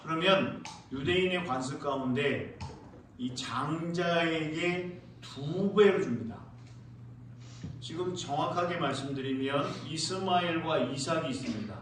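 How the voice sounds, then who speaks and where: A man preaching a sermon as pastor, telling lively stories and asking the congregation questions. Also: fairly high pitch, measured pace, slight background noise. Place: church sanctuary. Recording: echoey church hall, mic far off.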